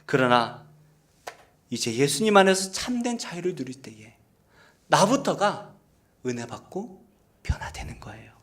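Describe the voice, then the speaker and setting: A man with a somewhat high voice delivers a sermon from the pulpit. He pleads earnestly with his listeners, hitting key phrases loudly and then dropping into hushed, almost whispered asides. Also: very animated, measured pace, long pauses. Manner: swings between loud emphatic stress and hushed near-whispers. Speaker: pastor. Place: church service.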